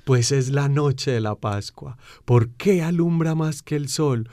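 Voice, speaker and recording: A man hosting a Catholic program, preaching with slow, emphatic build-ups and asking "right?" again and again. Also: medium pitch, mellow. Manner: emphatic, slow build-ups, frequent rhetorical "¿cierto?" tags. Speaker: Catholic radio program host. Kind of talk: preaching explanation of faith.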